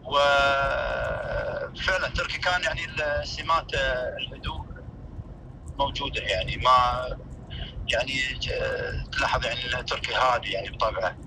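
A man, a former teacher on a phone call, speaking slowly and measured with many hesitations. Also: medium pitch, gravelly, background noise. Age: 50s.

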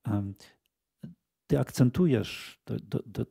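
A man moderating a literary meeting, asking questions slowly with many fillers and pauses. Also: medium pitch, animated, creaky, warm tone, slightly rough, dry recording, studio quality. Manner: slow, halting, many fillers. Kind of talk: literary discussion.

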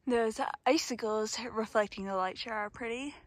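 A young adult woman chatting casually to camera as a solo hiking vlogger, somewhat out of breath, musing in short halting phrases. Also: on the high side, dry recording. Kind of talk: casual vlog chat to camera while hiking. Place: outdoors on a snowy mountain trail. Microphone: handheld phone at arm's length.

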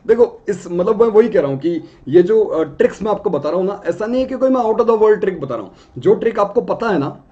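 A man's voice: high voice, lively intonation, moderate pace, warm tone, muffled recording. A man teaching chemistry in a casual, joking way, often checking in with his students. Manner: jokey, chatty, frequent check-ins with students.

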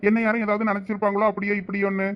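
An actor plays an affectionate young husband in a family comedy-drama, coaxing and teasing. His voice sits high for a man and he talks fast. The recording is dull and lo-fi. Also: completely flat delivery, heavy background noise, close to an everyday voice. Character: caring young husband, a supervisor. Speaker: actor in a village family skit. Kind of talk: village comedy-drama acting.

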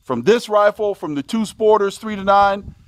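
This middle-aged American hosts a shooting range video, chatting with viewers outdoors at a covered range in a folksy, exclamatory manner. His voice sits high and he keeps a moderate pace. Slight background noise is present.

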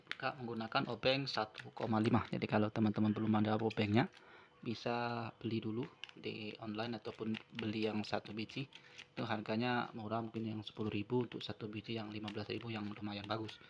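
Low, flat-voiced man. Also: a little fast, highs cut off, noisy background. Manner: repetitive, explanatory, step by step. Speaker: phone repair tutorial presenter. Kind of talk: unscripted hands-on tutorial narration. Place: at a wooden table indoors.

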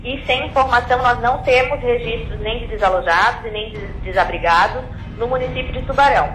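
A woman's voice: on the high side, fairly quick, a bit bright, soft background music. A woman explaining hesitantly as an official in a phone interview. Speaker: civil defense director, interviewee. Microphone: telephone. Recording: echoey phone call with faint noise.

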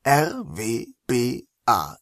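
Man playing a dry detective inspector, lively intonation. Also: medium pitch, extremely slow, no echo, full character voice. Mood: dry narration. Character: male detective inspector, dry, awkward, narrating his case. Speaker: lead actor and narrator. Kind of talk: crime audio drama acting.

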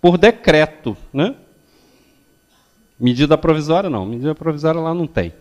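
Standing in a lecture hall, this older spiritist-center lecturer delivers a public religious talk at a moderate pace. His voice is a little high, expressive, and slightly mellow, and he gestures while teaching in stages, often closing phrases with checking questions.

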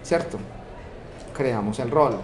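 A man with a Colombian Spanish accent, teaching a software course and walking through a screen-recorded tutorial step by step, often checking in with rhetorical questions. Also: medium pitch, slow pace. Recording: echoey room with steady background noise.

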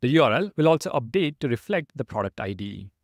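A man narrating a scripted programming tutorial as an instructor, explaining clearly step by step. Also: mid-range voice, big pitch swings, fast talker, dry recording, clean studio sound.

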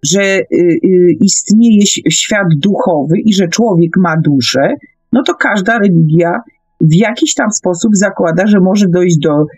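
A woman's voice: fairly low pitch, measured pace, a little mellow, slightly rough, no room sound. A woman explains at length in a conversational radio discussion, hesitant and often searching for words. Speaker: speaker on a paranormal radio discussion.

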